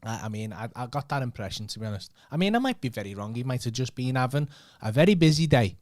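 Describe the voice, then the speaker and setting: Swearing, laughing podcast host. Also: male voice, medium pitch, animated, quick pace, a little mellow, dry recording, studio quality. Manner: swears a lot, laughs often. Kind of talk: casual banter.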